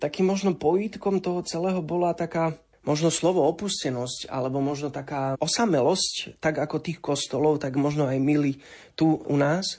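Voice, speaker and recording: Against a quiet background, a plain, everyday voice speaks at a moderate pace with ordinary pitch variation. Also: man, fairly high pitch for a man. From eastern Slovakia. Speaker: pianist. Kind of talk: interview.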